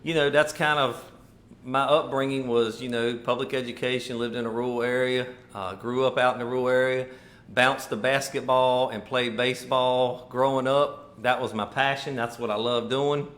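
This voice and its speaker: A man's voice: medium pitch, little pitch movement, moderate pace, a bit bright. A man in his fifties from Virginia, a mayoral candidate being interviewed, talking in an easygoing, loose and rambling way. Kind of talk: casual interview conversation. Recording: roomy echoey sound.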